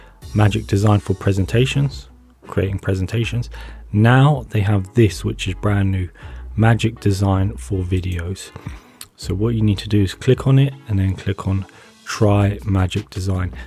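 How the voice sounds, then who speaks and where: Music plays behind a man with a fairly low pitch. He speaks at a moderate pace with lively intonation. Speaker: software tutorial creator. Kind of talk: tutorial.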